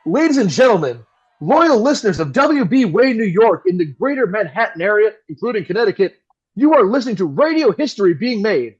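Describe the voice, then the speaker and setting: A man's voice: high voice, big pitch swings, fairly quick, slightly rough, dull audio, exaggerated voice. A man playing a flustered, melodramatic 1960s New York radio host with theatrical announcer delivery in an audio drama. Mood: grandiose.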